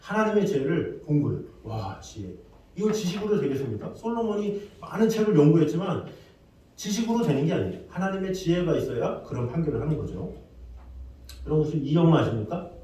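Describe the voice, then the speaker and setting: Male pastor, children's sermon, lively delivery, dark tone, distant mic in a booming church hall. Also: a little fast. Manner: acts out story voices, asks the congregation questions. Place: church sanctuary.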